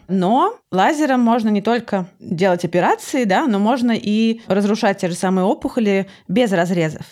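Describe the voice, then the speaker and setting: A woman's voice: mid-range voice, darkish tone. A woman hosting a popular-science show, explaining things in a conversational way with frequent little check-in tags. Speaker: podcast host.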